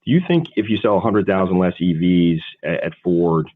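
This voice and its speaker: Thin phone-line audio, deep-voiced man, analyst, rambling unscripted question, stumbling repetitions. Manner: halting, rambling, full of repeated words. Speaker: financial analyst asking a question. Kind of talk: unscripted question on an earnings call.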